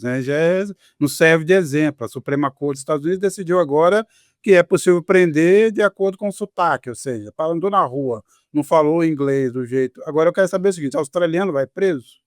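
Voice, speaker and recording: A man's voice: a little high, fast talker, dry recording, clean studio sound. A man with a Brazilian Portuguese accent hosting a political discussion in a conversational, wry manner. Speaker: host. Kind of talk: casual panel discussion.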